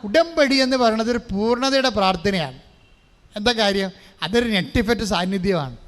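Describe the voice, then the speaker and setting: A man preaches with a high, ringing voice that trails off into long reverb in a big church hall. He keeps asking the congregation questions and has them repeat verses back to him. English phrases slip into his sermon. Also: animated, brisk, fairly bright tone. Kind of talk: sermon with call-and-response.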